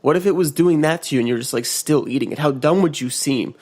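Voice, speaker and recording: A man hosting a casual motivational podcast, just woken up and congested, rambling with restarts and acting out quotes in a higher voice. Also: fast, darkish tone. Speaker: podcast host. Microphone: podcast mic.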